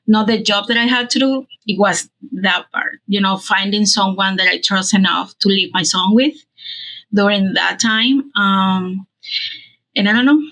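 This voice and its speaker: Bright-voiced Venezuelan woman. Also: mid-range voice, a little slow, low-quality recording. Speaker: podcast panel guest. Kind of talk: personal reflection in casual conversation.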